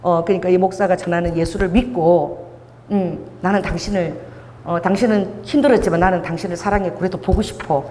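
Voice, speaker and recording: A woman pastor telling an animated story during a sermon, laughing at times. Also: fairly low pitch, a little fast, long reverb tail, a little hiss or hum. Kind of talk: sermon testimony. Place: church hall.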